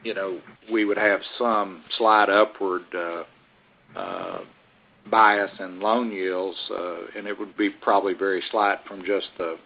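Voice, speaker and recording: A man with a deep voice answers as a company executive on an earnings call. His delivery is unscripted and measured, with halting, carefully qualified phrasing. The audio is dull, like a conference line.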